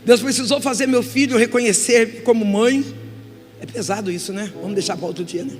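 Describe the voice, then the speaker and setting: A middle-aged woman with a Brazilian Portuguese accent giving an emotional testimony sermon as a guest preacher, moving from soft confession to loud exhortation. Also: a little high, fairly quick. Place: church hall. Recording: reverberant church hall with music.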